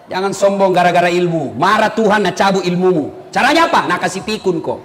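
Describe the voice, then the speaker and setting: A man preaching a humorous sermon. He talks with animated energy and often slips into acted voices to land his jokes. His voice rings out in a hall with a long echo and faint noise underneath. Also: sits high, brisk.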